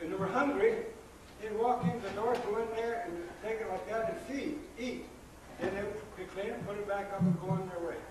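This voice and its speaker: A man's high-pitched voice at a moderate pace, ordinary pitch variation, with audible room echo and noticeable background noise. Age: 70s. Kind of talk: storytelling. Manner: halting.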